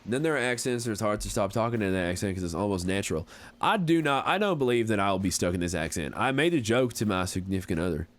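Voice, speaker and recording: A man's voice: on the low side, animated, fast talker, natural voice. A man in his forties putting on an American Southern accent as a folksy, amiable frontier fellow with courtly phrasing, chatting casually on a game livestream. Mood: amiable, chatty. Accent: put-on American Southern. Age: 40s. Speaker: game streamer. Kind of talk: casual livestream chat in character.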